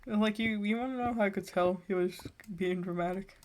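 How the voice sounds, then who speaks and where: A woman's voice: mid-range voice, a little fast, darkish tone, slight background noise. A teenage woman streaming a game and telling a rambling story in casual chat, full of filler likes. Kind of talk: casual chat while gaming.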